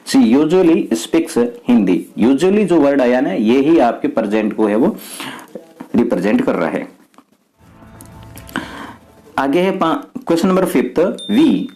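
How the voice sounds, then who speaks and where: Here a teacher from Rajasthan, India, guides students through an exam paper one step at a time, questioning and answering himself as he goes. His voice is medium-pitched and warm, though the recording quality is low.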